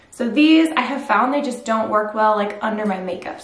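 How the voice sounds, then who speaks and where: This is a woman speaking. There is audible room echo around her voice. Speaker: beauty vlogger. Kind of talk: casual vlog chat. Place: bathroom. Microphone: phone near.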